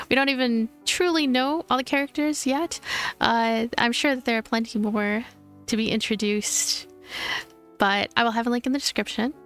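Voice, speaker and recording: Casual, higher-voiced woman let's play host. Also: fairly bright tone, smooth. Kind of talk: casual commentary.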